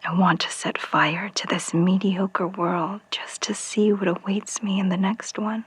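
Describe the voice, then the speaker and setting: Forlorn, very breathy whisper. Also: female voice, medium pitch, fairly even intonation, dry recording. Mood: forlorn, yearning. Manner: slow, solemn, bleak. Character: forlorn, yearning woman in private monologue. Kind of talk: whispered poetic dramatic monologue.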